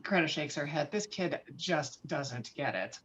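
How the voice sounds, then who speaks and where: A woman's voice: low voice, expressive, measured pace, a bit bright, slight background noise. A woman narrating screenplay stage directions with a dramatic, emphatic read on a video call.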